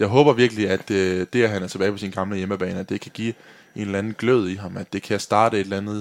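A man's fairly low voice at a very fast pace, with fairly even intonation and big swings in loudness. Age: 20s. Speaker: podcast co-host, journalism student. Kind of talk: casual chat. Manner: halting.

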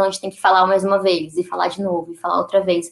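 The speaker is a woman with a medium pitch. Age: 20s. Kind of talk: casual interview.

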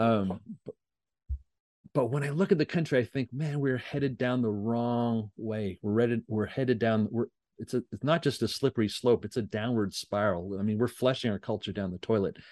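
A normal speaking voice from a man at medium pitch and moderate pace, with ordinary pitch variation, dry and close with no echo, over a quiet background. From Montreal, Canada. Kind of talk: interview.

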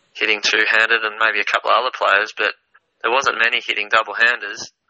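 A man speaks with an Australian accent. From Australia, Cranbourne (Melbourne area). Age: 30s. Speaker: tennis coach. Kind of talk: casual chat.

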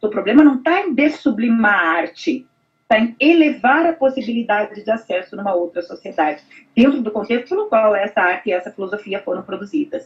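A woman talks fairly quickly in a fairly high voice, swinging very widely in pitch. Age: 50s. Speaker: education professor. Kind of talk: lecture presentation.

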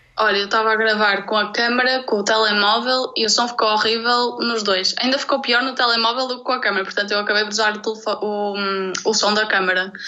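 A woman talks fairly quickly in a fairly high pitch, with hardly any pauses and flat, monotone intonation. Her loudness stays very even against noticeable background noise. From Portugal, Porto. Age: young. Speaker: YouTuber. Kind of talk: casual chat.

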